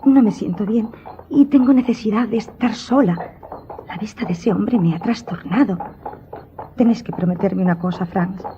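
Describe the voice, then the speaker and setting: A woman's voice: mid-range voice, moderate pace, background noise, close to an everyday voice. A woman playing a superstitious, imperious countess in a radio drama, speaking in a formal, dramatic, insistent way. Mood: insistent, uneasy. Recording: dull recording with background music.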